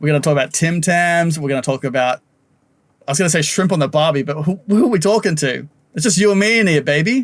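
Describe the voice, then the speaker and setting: A man speaks at a very fast pace. His pitch sits fairly high and varies in an ordinary way. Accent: Australian. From Australia. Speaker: magic show host. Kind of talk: casual chat. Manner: animated.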